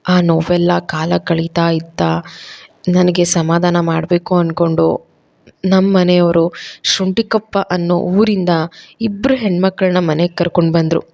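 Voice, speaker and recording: A woman voicing a gentle middle-aged aunt who speaks softly and sorrowfully. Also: on the low side, little pitch movement, measured pace, gravelly. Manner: soft, tender, sorrowful.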